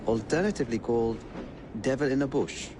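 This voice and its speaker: Man acting shy polite gent, soft formal, noisy. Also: mid-range voice, fairly quick, lightly acted. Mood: courteous. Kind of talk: video game cutscene acting.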